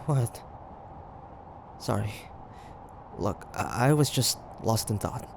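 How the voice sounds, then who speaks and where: A man playing a grumpy, flustered demon hunter who secretly cares, speaking in a halting, defensive way in a roleplay audio drama. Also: on the low side, lively intonation, creaky, noisy background, heavily acted.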